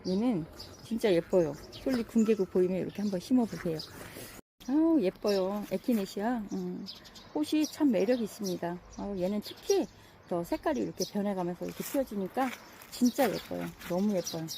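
Mellow-voiced woman touring her garden. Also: medium pitch, a little hiss or hum. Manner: chatty and admiring, many soft fillers. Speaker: gardening vlogger. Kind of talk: casual garden walk-through. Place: outdoor flower garden.

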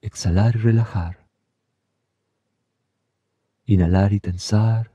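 A man leading a guided meditation, giving calm, soothing, unhurried instructions. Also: lowish voice, husky, no room sound.

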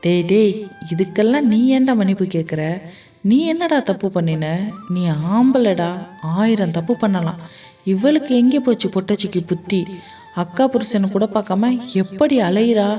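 A woman's voice: mid-range voice, lively intonation, moderate pace, warm tone, faint music behind, natural voice. A woman storyteller voicing an older mother-in-law who scolds harshly and with contempt. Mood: scolding. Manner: scolding, scornful. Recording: dull distant lo-fi recording.

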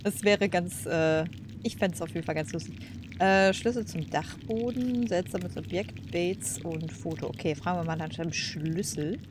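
A woman's voice: lowish voice, moderate pace, noisy background. A woman giving casual, chatty let's play commentary, musing aloud as she plays. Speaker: gaming host.

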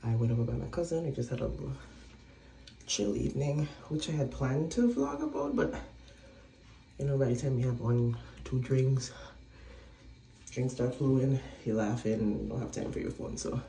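A woman's voice: extremely low pitch, normal speed, creaky, echoey room, low-quality recording. Chatty woman, a bit throaty. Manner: chatty, relaxed, talks while doing makeup. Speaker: vlogger. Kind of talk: casual vlog chat to camera. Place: small indoor room, by a window. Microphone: phone camera close up.

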